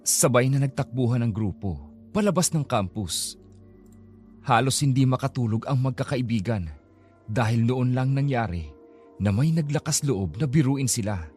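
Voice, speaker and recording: A man narrating a horror tale in a slow, suspenseful storytelling manner. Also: medium pitch, expressive, a little mellow, faint music behind.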